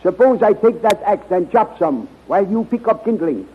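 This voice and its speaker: An actor playing a protective, earnest scientist with formal phrasing in a 1930s radio serial, recorded thin and noisy. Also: male voice, sits high, lively intonation, breathy edge, phone-quality sound. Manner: formal, deliberate wording. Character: cautious, protective male scientist, practical and earnest.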